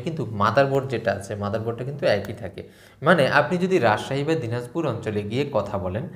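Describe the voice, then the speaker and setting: A man's voice: medium pitch, echoey room. A man from southeastern Bangladesh giving a spoken lesson to viewers, explaining sounds step by step and chuckling now and then at his own jokes. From Feni, greater Noakhali, Bangladesh. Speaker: video lecturer. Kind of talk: explanatory talk to camera.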